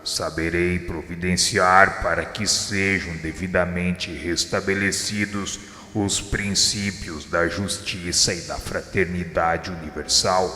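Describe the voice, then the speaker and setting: A man voicing Jesus as a grave divine figure in a radio drama, speaking with a Brazilian Portuguese accent in measured, solemn pronouncements. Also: low-pitched, fairly even intonation, heavily acted. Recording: heavy reverb with soft music behind.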